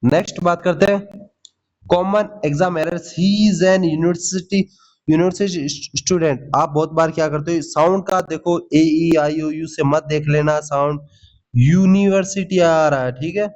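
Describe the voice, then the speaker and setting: A man with a fairly high voice teaches English grammar in for exam prep. He is lively and keeps checking in with "ठीक है?" and calls his students "भाई". The audio sounds a little dull and lo-fi. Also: moderate pace. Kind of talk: Hindi grammar lesson with English examples.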